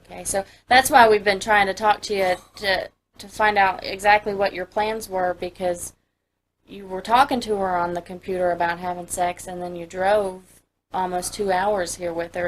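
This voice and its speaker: Even-toned American female investigator, slightly noisy audio. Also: on the low side, moderate pace. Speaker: police investigator. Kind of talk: police interrogation. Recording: noisy interview room audio.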